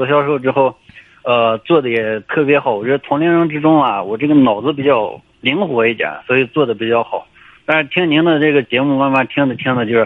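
Fairly quick speech from a man at medium pitch with ordinary pitch variation. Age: 20s. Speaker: caller. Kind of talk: phone-in question. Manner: halting.

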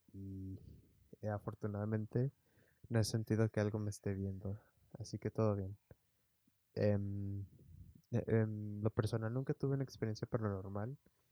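A man speaks at a moderate pace in a fairly low pitch and a dark, mellow tone, with monotone, flat intonation. Long, frequent pauses break up his speech, and the sound is dry and close with no echo. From US, Phoenix. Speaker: podcast host. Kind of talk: casual solo monologue.

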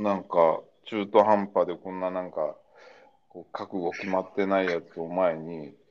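A man with a very deep, low pitch speaks at a fairly slow pace in a monotone, flat intonation, his loudness swinging widely. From Chiba, Japan. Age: 50s. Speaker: architect. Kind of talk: casual chat.

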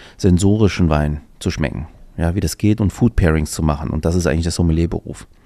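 Dark and mellow, this voice rushes along very fast. Its pitch shifts in an ordinary way. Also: man. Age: 40s. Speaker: sommelier. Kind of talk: casual chat.

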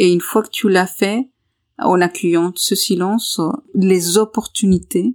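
Speaking at a very slow pace, a woman with a Spanish accent uses a medium pitch and ordinary pitch variation. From Colombia, Santander. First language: Spanish (speaking French). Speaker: life coach. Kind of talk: interview. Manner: halting, many repetitions.

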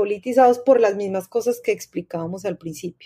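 Recorded very cleanly against a silent background, a woman with an Antioquian accent talks at a fairly quick pace in a medium pitch, with a dark, mellow tone and ordinary pitch variation. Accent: paisa. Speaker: physician and former health official. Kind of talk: interview.

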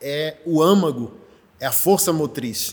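A normal speaking voice from a man, pitched fairly high, its rises and falls ordinary. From Northeast Brazil. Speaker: pastor and podcast host. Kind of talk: podcast interview.

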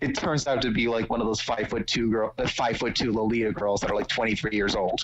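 Speaking at a fairly quick pace with an American accent, a man keeps a medium pitch, fairly even intonation, and very even loudness over noticeable background noise. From Chicago area, US Midwest. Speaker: anime convention goer, cosplayer. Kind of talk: casual chat.

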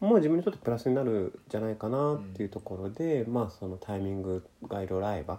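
Pauses are almost absent. The delivery is very fast. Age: 40s. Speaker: podcast co-host. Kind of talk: casual chat.

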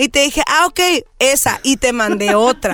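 With an animated tone, a woman speaks at a high pitch. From Mexico, Sinaloa. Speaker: podcast co-host. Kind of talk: casual chat.

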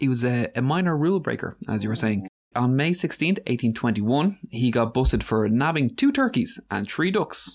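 Speaking in an Irish accent, a man moves through very wide pitch swings. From Ireland. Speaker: podcast co-host. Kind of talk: casual chat.

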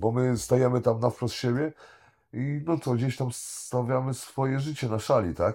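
On a very clean recording with a silent background, a man's medium-pitched voice has a dark, mellow tone, ordinary pitch variation, and a moderate pace. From Poland, West Pomerania (Stargard). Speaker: bare-knuckle fighter. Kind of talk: interview. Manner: halting.

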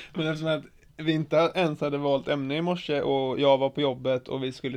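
A man speaks in an ordinary speaking voice at a fairly quick pace, his pitch fairly high, against a quiet background. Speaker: car podcast co-host. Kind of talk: casual chat.

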